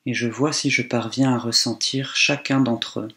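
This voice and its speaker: A man leading a guided body scan meditation in a calm, unhurried way, leaving long pauses between phrases. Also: medium pitch.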